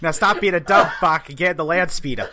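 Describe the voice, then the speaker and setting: A man putting on a Boston accent to play a gruff, brash mentor. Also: fairly high pitch, fast talker, very noisy, natural voice.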